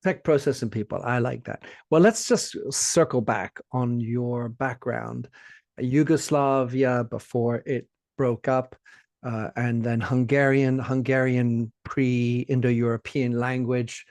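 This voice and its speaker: A man's voice: mid-range voice, fairly even intonation, slow pace, darkish tone, dry recording, clean studio sound. A man hosting a podcast interview in a conversational way, with frequent restarts and repetitions. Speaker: podcast host. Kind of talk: casual interview talk.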